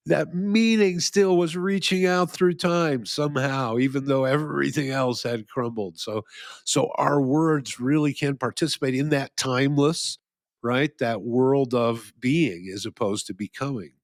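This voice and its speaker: A man's voice: mid-range voice, no room sound. Dry-sounding rambling male podcast co-host. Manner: rambling, restarts often, laughs at own jokes. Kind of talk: casual philosophical chat.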